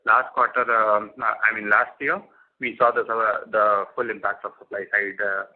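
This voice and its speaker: Low-voiced male executive on muffled call. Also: steady tone, moderate pace. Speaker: company executive answering analysts. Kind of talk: unscripted answers on an earnings call. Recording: muffled, band-limited conference call.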